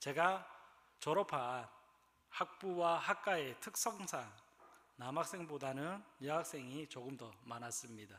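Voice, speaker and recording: The speaker talks at a very slow pace in a Busan accent, with lively intonation. Long, frequent pauses and big swings in loudness mark the delivery. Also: man, fairly high pitch for a man. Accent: Gyeongsang (Busan) dialect. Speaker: pastor. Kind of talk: sermon.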